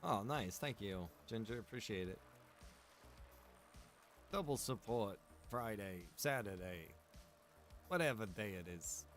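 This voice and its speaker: A man's voice: fairly low pitch, lively intonation, measured pace, pauses often, a bit bright, faint music behind. A man chatting casually and thinking aloud as he hosts a gaming livestream. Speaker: livestream host, gamer.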